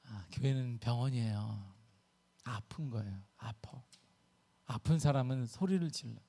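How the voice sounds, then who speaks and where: A middle-aged man preaching a sermon as pastor, telling a story with sudden swings between loud bursts and hushed asides. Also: high-pitched.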